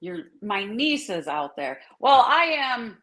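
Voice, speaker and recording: A woman's voice: medium pitch, big pitch swings, takes it slowly, fairly bright tone. Giggly woman with a Michigan accent. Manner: giggly, laughs often. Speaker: guest. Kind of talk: casual chat.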